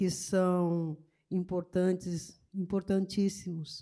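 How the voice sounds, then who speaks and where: A woman speaks at a very slow pace with a fairly low pitch, a dark, mellow tone and monotone, flat intonation, in a very clean recording with a silent background. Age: 70s. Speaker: poet. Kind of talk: panel discussion. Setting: stage with audience. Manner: loud.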